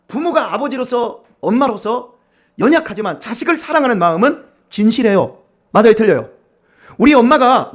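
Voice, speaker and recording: A man preaching a sermon as pastor in a church, emphatic and repeatedly asking his congregation questions. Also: very high voice. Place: church sanctuary.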